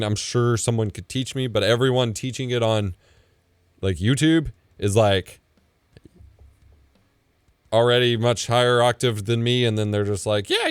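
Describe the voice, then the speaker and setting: A man in his thirties live-streaming from his home setup as he edits video, thinking out loud and muttering asides under his breath. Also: medium pitch, clean tone, no echo. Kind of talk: casual live-stream commentary while video editing. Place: home streaming room, indoors. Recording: dry close mic with faint music.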